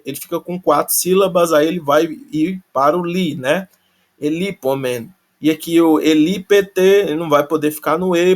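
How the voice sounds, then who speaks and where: Slow-talking man teaching a grammar lesson. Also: fairly high pitch. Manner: thinks aloud, many restarts and tag questions; spells out verb endings syllable by syllable. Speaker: Greek teacher. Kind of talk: casual recorded grammar lesson.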